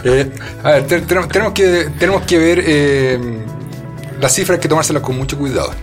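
A man's voice: fairly high pitch, a little fast, faint music behind. A man with a Chilean accent, a guest in a casual conversation, who talks hesitantly with many fillers and restarts.

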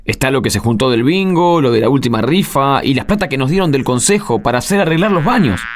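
A sardonic Argentine committee man acted by a man in a radio play. His mid-pitched voice is emphatic and sarcastic. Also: animated, quick pace, natural voice. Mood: worried. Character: sardonic man auditing school committee accounts. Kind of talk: radio drama dialogue.

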